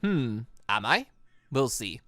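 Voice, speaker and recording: A gamer voicing a calm, solemn god who leads an evil crew, in measured, formal speech for a visual novel. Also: mid-range voice, no echo, voice pushed down, full character voice.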